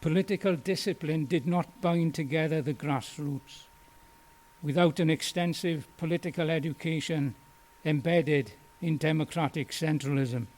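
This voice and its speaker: A man in his sixties, from Wales, reads out a prepared memorial lecture. His voice sits a little high for a man. He speaks in a measured, earnest and deliberate way. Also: darkish tone.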